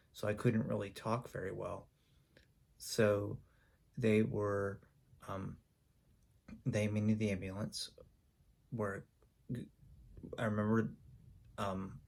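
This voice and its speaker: Male storyteller, low and flat delivery with a gravelly edge, halting, full of pauses and restarts. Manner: halting, with frequent ums and restarts. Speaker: YouTuber. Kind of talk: personal storytelling to camera.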